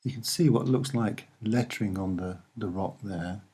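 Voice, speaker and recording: Soft spoken guy talking thru images off the cuff, lowish mellow voice, lots of pauses. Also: husky. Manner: hesitant, halting, with many pauses. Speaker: amateur video presenter.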